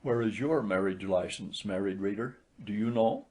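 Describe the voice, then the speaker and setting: A man's voice: lowish voice, normal speed, darkish tone. A man reading a literary short story aloud as an audiobook narrator.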